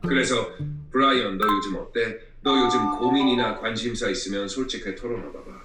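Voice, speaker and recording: A male synthetic assistant voice with a Korean-American accent, speaking casually in a smooth, effusive, cheesy way. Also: lowish voice, a little fast. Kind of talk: casual conversational assistant replies. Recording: echoey, slightly distant, faint music behind.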